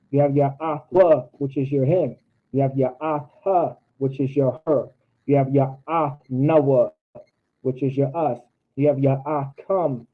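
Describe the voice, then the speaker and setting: A man teaching a grammar lesson to his class, patiently drilling word forms one by one and reminding students to take notes. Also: a little high. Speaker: language teacher. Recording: tinny phone-like audio.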